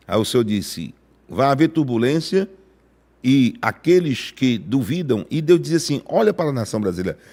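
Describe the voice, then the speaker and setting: Fervent Brazilian preacher man. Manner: fervent, swings from hushed to booming. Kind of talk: prophetic sermon on a live stream.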